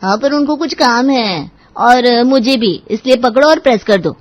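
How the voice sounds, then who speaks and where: A woman's voice: a little high, moderate pace, dry recording, natural voice. Offhand, work-dodging middle bride, slightly raised, played by a woman narrator. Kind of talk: storybook character voice.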